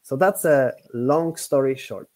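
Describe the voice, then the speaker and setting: A man's voice: mid-range voice, measured pace, darkish tone. A man, talking hesitantly with many fillers and restarts on an online panel. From Poland. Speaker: international hockey umpire, guest. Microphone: computer mic on a video call.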